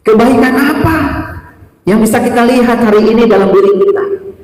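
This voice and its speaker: A middle-aged man giving a sermon lecture as an Islamic teacher, speaking in a deliberate, didactic way with rhetorical questions and repetition. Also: very high-pitched, darkish tone. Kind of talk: sermon lecture to a live audience. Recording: echoey hall with long reverb.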